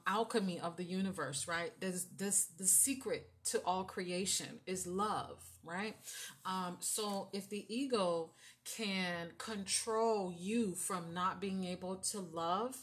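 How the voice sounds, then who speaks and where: A woman giving a casual tarot reading, with a voice she says carries and demands attention, talking in a chatty way that is full of fillers and keeps checking in with "right?". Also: mid-range voice. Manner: chatty, filler-heavy, often asks "right?". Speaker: tarot reader.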